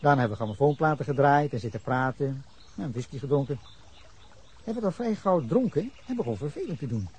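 An actor uses an animated, medium-pitched voice with a darkish tone and a breathy edge, speaking fairly quickly. His Dutch radio drama role is a defensive middle-aged man telling police, angrily and at length, about a drunken fight. He is indignant, with sudden bursts of anger.

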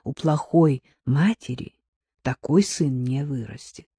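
A woman's voice: extremely low pitch, slow, warm tone, breathy edge, no room sound, voice pushed down, exaggerated voice. A woman voicing a kindly, plain-spoken older village woman who gives homely advice in an audiobook. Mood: warm advising.

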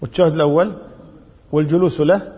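A high-pitched man gives a classroom lecture on Islamic law. He quizzes his students and repeats the key phrases for emphasis. His voice rings with a long reverb from the lecture hall, on a dull, lo-fi recording. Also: steady tone, fast.

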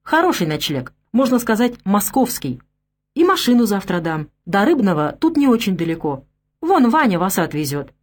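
A woman voicing a gruff, hoarse older male Arctic sea captain who speaks curtly, in an audiobook. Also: sits high, big pitch swings, moderate pace. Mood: wry. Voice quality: hoarse, rasping. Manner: curt, commanding.

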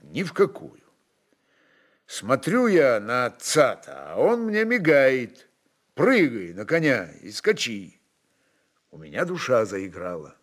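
A man acting a brooding, slow-spoken Cossack ataman. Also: medium pitch. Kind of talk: dramatic literary reading.

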